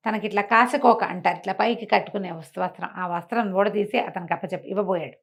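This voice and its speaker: A woman telling moral tales aloud in an animated, conversational way, explaining as she goes and acting out dialogue. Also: medium pitch, quick pace, vocal fry. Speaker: storyteller.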